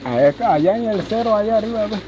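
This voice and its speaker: A man's voice: high voice, lively intonation, racing, dark tone, a little hiss or hum, low-quality recording. A man who farms coffee answering questions in short, agreeable replies outdoors. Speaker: coffee farmer. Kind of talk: casual conversation. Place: outdoors in a village.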